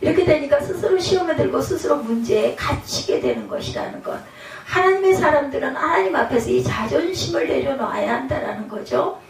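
High-voiced woman pastor preaching animatedly. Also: fairly quick, soft background music. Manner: lively preaching, acting out quoted voices with laughs. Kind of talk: sermon. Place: church sanctuary. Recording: echoey church hall, mic at a distance.

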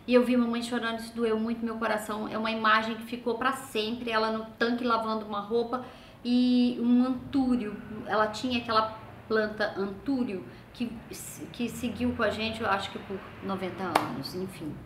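An older woman with a Brazilian accent, casually telling family stories and often trailing off into soft, low asides. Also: fairly even intonation, moderate pace, slight background noise. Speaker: vlogger. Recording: echoey room with faint ambience.

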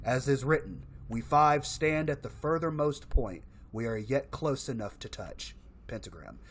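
A man in his thirties giving casual, expressive commentary as he plays and reads aloud from a video game. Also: medium pitch, measured pace, husky. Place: indoor room, solo gaming setup.

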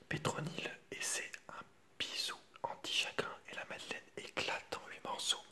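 In ASMR style, a man reads a children's picture book aloud in a hushed, unvoiced library whisper, dropping informal asides to his viewers.

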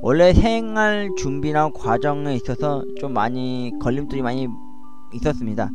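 A man in his forties talking slowly about his own life into a cheap home microphone, with a slight lisp, slurred diction and many hesitant fillers. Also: medium pitch. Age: 40s. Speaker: YouTuber. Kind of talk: personal monologue over music. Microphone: cheap microphone at home computer. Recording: music playing behind voice.

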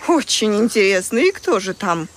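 A man's voice: sits high, very animated, moderate pace, a bit bright, a little hiss or hum, voice pushed up. A man reading a children's audio tale voices a stern, grumpy woman who works as a camp nurse. She scolds the children, then mocks them. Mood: sternly dismissive. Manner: scolding, then mockingly amused. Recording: music bed under the voice.

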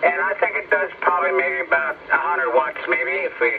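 Gravelly man over a staticky radio. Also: fairly high pitch, steady tone. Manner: halting, many uhs. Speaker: boat radio operator. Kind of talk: casual radio chat. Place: on a fishing boat. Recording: dull radio signal with loud static.

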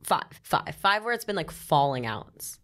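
A woman's voice: low voice, measured pace. A woman in her twenties co-hosting a podcast, telling personal stories in candid, self-deprecating casual chat. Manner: candid, animated storytelling with self-deprecating laughs. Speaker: podcast co-host.

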